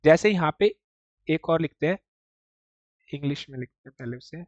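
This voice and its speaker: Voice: medium pitch, normal speed, no echo, muffled recording. A teacher in an online class explaining Japanese writing step by step, mixing English words into the talk and often checking that the listener follows.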